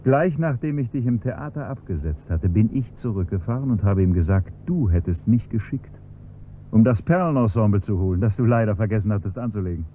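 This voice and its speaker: A man's voice: on the low side, expressive, a little fast, lightly acted. A man playing a smug, menacing chauffeur. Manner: polite and servile, then coolly mocking and menacing. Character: scheming blackmailing male chauffeur, cold and smug. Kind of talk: 1970s-style German radio play acting. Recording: dull, faintly hissy old radio-play recording.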